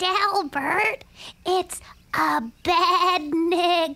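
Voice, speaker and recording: A cartoonish character voice at an extremely high pitch. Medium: puppet.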